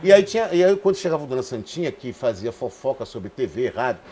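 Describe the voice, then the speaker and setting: A man's voice: medium pitch, fast, breathy edge. A middle-aged man, an actor and theatre author, talking as a guest and acting out the people in his stories. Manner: lively storyteller, acts out voices and quotes. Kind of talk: animated talk show conversation.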